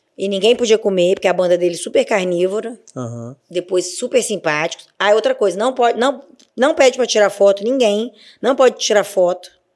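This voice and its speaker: At a fairly quick pace, a woman speaks in a plain, everyday voice of medium pitch with ordinary pitch variation. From Brazil, Espírito Santo (Vila Velha). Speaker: chef. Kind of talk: interview.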